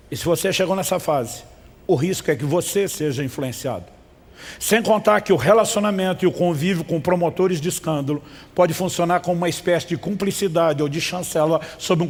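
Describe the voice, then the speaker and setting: A man's voice: a little high, darkish tone, big-room sound. A man from Brazil preaching a sermon as pastor, emphatic and calling on the congregation to respond.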